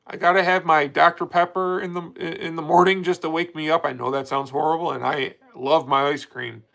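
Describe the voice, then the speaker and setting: A man's voice: fairly high pitch, steady tone, a little fast, creaky, fairly bright tone, low-quality recording. A man in his late thirties hosting a casual livestream, talking candidly and rambling with frequent restarts as he answers viewer comments. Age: 30s. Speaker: livestream host.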